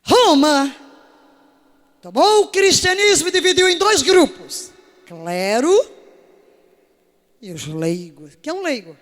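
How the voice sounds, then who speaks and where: A woman's voice: high voice, very animated, slow, long pauses, big-room sound. A woman preaching a sermon to her congregation in an emphatic way, full of rhetorical questions. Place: church service.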